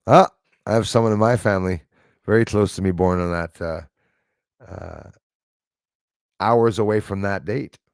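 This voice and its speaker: A man's voice: on the low side, moderate pace, creaky, pauses often, clean tone, no echo, studio quality. A man from Quebec with a Quebec English accent, hosting a casual livestream and rambling through chat with lots of fillers. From Quebec, Canada. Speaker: livestream host reading chat.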